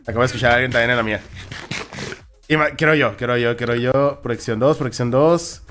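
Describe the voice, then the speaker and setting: A man with a Peruvian Spanish accent playing games with a friend, excitable, laughing often and shouting at losses. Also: mid-range voice, brisk, faint music behind. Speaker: gaming channel host. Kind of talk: casual gaming chat with a friend.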